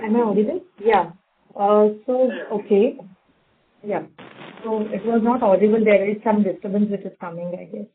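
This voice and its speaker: A woman puts questions on an earnings call as an analyst. Her phrasing is long-winded and halting, at a middling pitch. The line is tinny, with a faint layer of noise. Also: fairly even intonation. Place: conference phone call.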